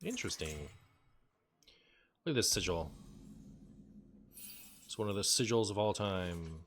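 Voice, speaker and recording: A man's voice: sits low, expressive, unhurried. A man casually commentating a live game stream, playful with dry asides. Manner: playful, hammy mock outrage and dry asides. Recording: faint background noise.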